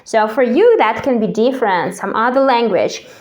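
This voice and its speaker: A woman from Kazakhstan whose first language is Russian, teaching an English lesson and repeating each phrase slowly and clearly for learners to echo. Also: on the high side, lively intonation. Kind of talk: slow drill-style language lesson.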